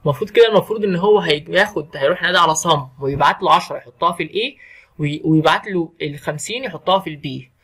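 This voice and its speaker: Middle-aged Egyptian man, programming lecturer, very quick talker, slightly husky, answers his own questions. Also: on the high side, fairly bright tone. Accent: Egyptian Arabic. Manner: asks the class questions and answers them himself. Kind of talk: screen-recorded coding lesson.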